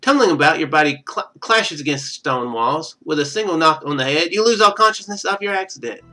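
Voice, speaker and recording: A man's voice: a little high, expressive, brisk, sharp tone, soft background music. A man streaming a game, reading its text aloud and adding casual, wry asides.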